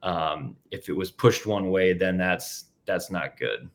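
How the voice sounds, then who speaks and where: Brief: podcast co-host, lowish voice, relaxed talk full of fillers and laughs. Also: male voice, slow. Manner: easygoing, laughs often, many fillers. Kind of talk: casual sports chat.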